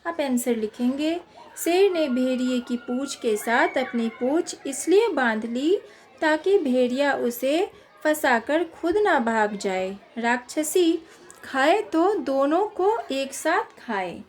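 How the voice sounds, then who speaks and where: A high-pitched woman teaching young children, going slowly through workbook questions and spelling out each answer. She speaks in an unhurried, patient way, as if pausing for them to write it down. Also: expressive, a little hiss or hum. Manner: slow, patient explaining, reading questions and dictating answers.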